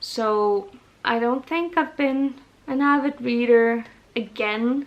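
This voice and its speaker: With an Icelandic accent, a woman speaks very slowly in a high pitch with fairly even intonation. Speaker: book vlogger. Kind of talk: casual vlog monologue. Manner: hesitant, with fillers.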